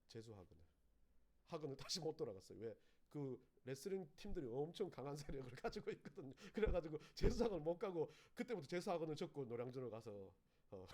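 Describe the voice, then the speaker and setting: Male preacher, storytelling sermon delivery, high and animated. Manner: animated storytelling, acting out quoted voices. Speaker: pastor.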